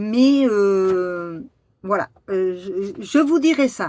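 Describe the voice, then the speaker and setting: A woman with a fairly high pitch speaks in a very clean recording with a silent background. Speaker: travel vlogger. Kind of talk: casual vlog talk. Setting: camper van. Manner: halting.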